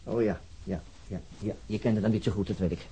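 An actor playing a brusque, weary police detective in a radio drama, gruff and very raspy, with a clipped, sardonic manner. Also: male voice, on the low side, fairly even intonation, brisk, mellow, a little hiss or hum, natural voice. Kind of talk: naturalistic radio drama acting.

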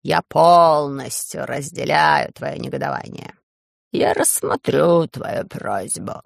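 A man voicing a sly, soft-spoken male tyrant ruler in an audiobook, speaking slowly in a hushed, purring way. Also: a little high, gravelly, no room sound, studio quality, full character voice. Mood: gentle menace. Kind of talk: audiobook character voice.

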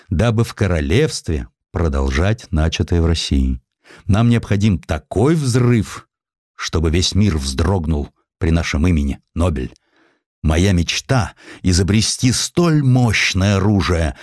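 A man's voice: low voice, darkish tone, no echo, studio quality. A man voicing an ambitious, imperious old industrialist father, bitter and grandiose, in an audiobook story.

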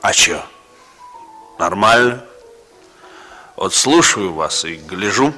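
A young actor playing a rough, laconic young man with a hard past who talks in a colloquial, gently teasing way, in 1960s radio drama style. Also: low-pitched, expressive, slow, faint music behind, exaggerated voice. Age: young adult.

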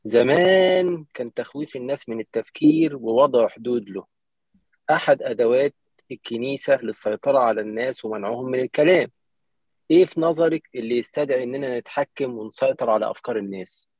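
A man's voice: medium pitch, quick pace, darkish tone, no echo, natural voice, low-quality recording. A man with an Egyptian Arabic accent, acting a young man who argues for free thought. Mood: argumentative. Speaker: actor rehearsing a play.

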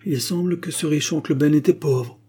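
A man lifts his voice to play a quick-witted young gypsy woman in an audiobook. She is firm and sharp-tongued. The tone stays mellow and a little husky. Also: fairly high pitch, pitched above the performer's own voice.

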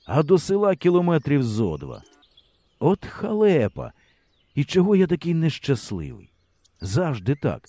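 A man reading an audiobook in an expressive storyteller's way. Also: mid-range voice, no room sound. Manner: lively storyteller's delivery. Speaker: audiobook narrator.

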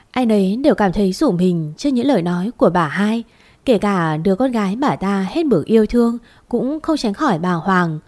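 A woman tells a melodramatic family story at a middle pitch. She reads the narration steadily and carries the drama without stepping out of the narrator's voice. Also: darkish tone.

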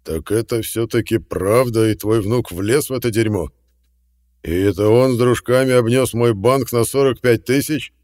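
A man voicing a domineering old colonel and grandfather in an audiobook, barking loud orders. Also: mid-range voice, moderate pace, no room sound, clean studio sound, voice pushed up, natural voice. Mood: suspicious. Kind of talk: audiobook reading.

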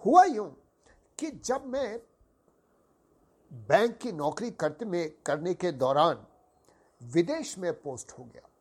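An older man from Uttar Pradesh with a sore, hoarse throat, hosting a podcast and telling a story in a formal, courteous way, addressing his listeners as sahib. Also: high voice, sing-song, takes it slowly, long pauses. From Uttar Pradesh, India. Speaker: podcast host. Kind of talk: slow reminiscing storytelling.

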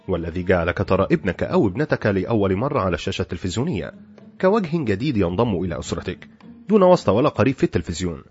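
A man with an Egyptian accent narrating a satirical story with wry, animated comic delivery. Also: on the low side, breathy edge. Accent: Egyptian Arabic. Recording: dull lo-fi with faint music.

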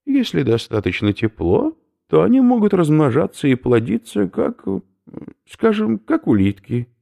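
A fussy, pompous old professor with a high, lilting voice that lectures his companions in a genteel tone. He swoops up and down with a creaky edge, recorded close and dry. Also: wildly swooping pitch, a little slow, dark tone, full character voice. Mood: lecturing. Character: fussy elderly male professor, pedantic.

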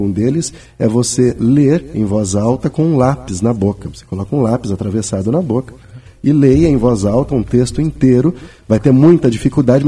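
A man's voice: mid-range voice, warm tone, husky, far from the mic. A man commenting on a radio discussion, explaining in a conversational way with frequent tag questions. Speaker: guest commentator.

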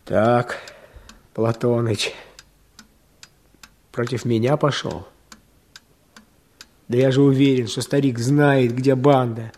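A man's voice: mid-range voice, fairly even intonation, darkish tone. An actor playing an impulsive, stubborn, earnest young village man in a Russian radio drama, talking with impatient insistence. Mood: sullen, resentful. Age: young adult. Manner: impatient, insistent, halting when embarrassed.

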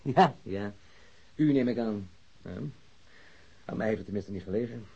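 Defiant male suspect: dark, very raspy, evasive and irritated, radio-play recording. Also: fairly low pitch, normal speed. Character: defiant, indignant male airline worker held as suspect. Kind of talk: Dutch radio play acting. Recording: dull lo-fi radio drama recording.

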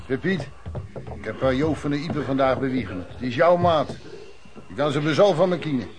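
An actor playing a rough, brusque lodging-house drifter in a radio play, talking in slang. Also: male voice, medium pitch, brisk, noisy background, close to an everyday voice.

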